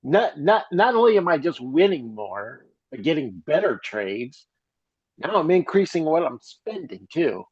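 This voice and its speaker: A man's voice: fairly high pitch, measured pace, breathy edge, no room sound, muffled recording. A man chatting casually and cheerfully as a member of a trading group. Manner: upbeat, animated, folksy. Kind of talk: casual chat.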